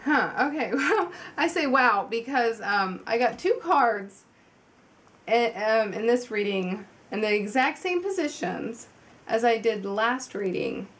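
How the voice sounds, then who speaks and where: A woman with a slight cold reading tarot at home in a chatty, halting way, with many ums and restarts. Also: a little high, expressive, fairly bright tone. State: has a cold, slightly congested. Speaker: tarot reader. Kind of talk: casual video tarot reading.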